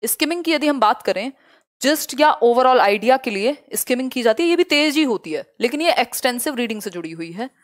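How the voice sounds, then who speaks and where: A young woman teaching English pedagogy in a live online class, mixing Hindi and English. She checks often whether her students follow and reads definitions out slowly. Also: a little high, animated.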